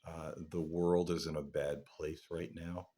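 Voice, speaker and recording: A man hosting a paranormal channel, talking casually and reflectively to viewers in an earnest, halting, rambling way. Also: extremely low pitch, little pitch movement, mellow. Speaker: paranormal investigator and channel host.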